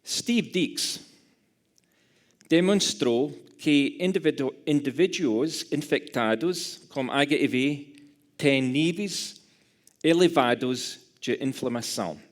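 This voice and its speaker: His voice sits on the high side as he, a Scotsman with a Scottish English accent, delivers an academic lecture in Portuguese as a second language. The delivery is careful and halting, with self-corrections and dry humor.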